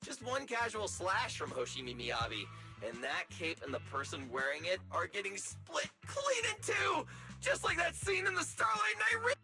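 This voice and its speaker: Showy robot who idolises heroes; theatrical, shouty, high bright tone. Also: male voice, very animated, moderate pace, vocal fry, soft background music, exaggerated voice. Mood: gleeful. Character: boastful showy male robot hero-fan. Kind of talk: video game voice acting.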